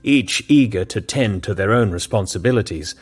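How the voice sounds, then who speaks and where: A man narrating an audio drama in a measured storytelling manner. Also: lowish voice, lively intonation, breathy edge.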